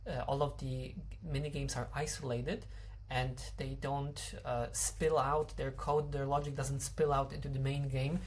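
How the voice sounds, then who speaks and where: A man's voice: mid-range voice, little pitch movement, a little slow, a little hiss or hum. A young man, a game developer explaining his code, hesitant with many fillers and restarts. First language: Polish.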